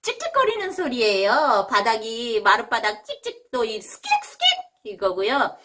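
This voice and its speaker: A Korean woman teaching English vocabulary in a casual video lesson, jumping high to imitate animal sounds. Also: big pitch swings, moderate pace, bright, forceful tone.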